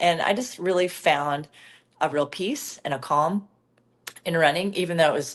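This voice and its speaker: A woman with a Southern US accent at a moderate pace, against a quiet background. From US South, Greenville, South Carolina. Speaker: ultramarathon runner and advocate. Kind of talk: interview.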